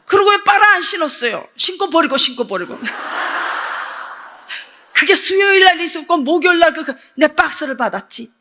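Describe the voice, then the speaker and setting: Woman missionary preacher, middle-aged, high bright voice, dramatic storyteller. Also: normal speed. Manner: animated storytelling, acts out her own past voice. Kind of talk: testimony sermon. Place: church service with audience laughing.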